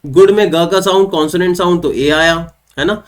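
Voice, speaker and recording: A young man teaches an English grammar lesson for exam students, with a voice pitched a little above the usual male range. He works through examples step by step, asking questions and answering them himself. He reads the English example sentences slowly and clearly. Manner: explains step by step, asks and answers his own questions. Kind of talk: online exam-prep lesson.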